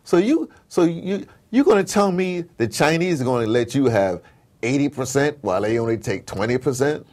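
A man's voice: mid-range voice, normal speed. A man being interviewed, giving passionate, informal political commentary with emphatic storytelling, slangy phrasing and rhetorical questions. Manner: animated, emphatic storytelling, acts out dialogue. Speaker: interview guest.

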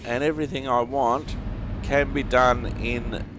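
A man's voice: mid-range voice, steady tone, measured pace. An Australian man chatting casually and reflectively, in a rambling way, while playing a driving game. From Australia (Western Sydney). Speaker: host of a truck simulator gaming series. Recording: vehicle engine and road noise behind voice. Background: truck simulator game sounds, engine and road.

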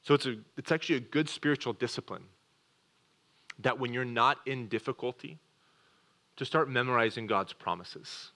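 Earnest male pastor preaching a sermon. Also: mid-range voice. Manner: earnest, shifts from quick asides to slow, quiet emphasis. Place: church sanctuary.

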